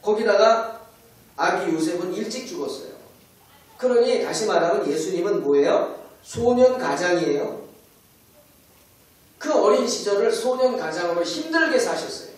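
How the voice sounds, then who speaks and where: A man's voice: high-pitched, animated, normal speed, pauses often. A man pastor preaching a sermon dramatically, often asking the congregation rhetorical questions. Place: church sanctuary. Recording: echoey church hall, mic far off.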